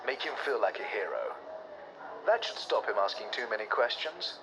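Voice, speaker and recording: An actor playing a cynical, scheming military official, calculating in a sci-fi game audio log. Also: male voice, lowish voice, very animated, moderate pace. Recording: noisy radio-style audio log.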